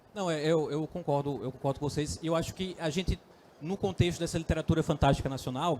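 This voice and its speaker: A man with a northeastern Brazilian accent talks at a fairly high pitch. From Northeast Brazil, Campina Grande (Paraíba). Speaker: author, panel guest. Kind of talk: panel discussion.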